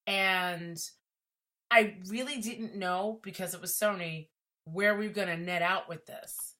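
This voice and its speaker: A woman guest on a podcast, chatting casually in an animated way with quick asides and frequent laughs. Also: on the low side. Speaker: podcast guest, entertainment writer. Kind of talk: casual chat.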